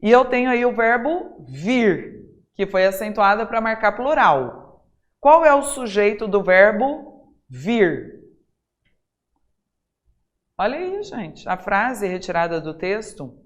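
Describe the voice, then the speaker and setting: A Brazilian woman teaching an exam-prep Portuguese lesson, talking straight to her students with many rhetorical questions and slowly stressing key words. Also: mid-range voice, very animated. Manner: stresses single words by saying them slowly and loudly. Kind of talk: recorded classroom lesson.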